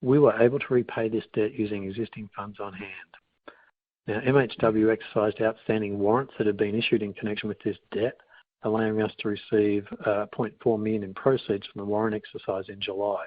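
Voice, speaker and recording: Male finance executive, flat and lowish delivery, formal scripted investor-call read. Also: brisk. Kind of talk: scripted earnings call presentation. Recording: boxy phone-like line with room echo.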